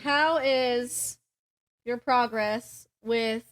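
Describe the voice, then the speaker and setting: Lady with a highish voice chatting books on a podcast, agreeable, asks lots of questions. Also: very slow. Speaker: podcast co-host. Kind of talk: casual book chat.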